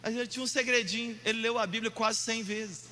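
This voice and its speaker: A male pastor preaching an animated, jokey sermon, shouting out points for emphasis in a church hall. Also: very high-pitched, brisk, slight background noise. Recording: long hall reverb.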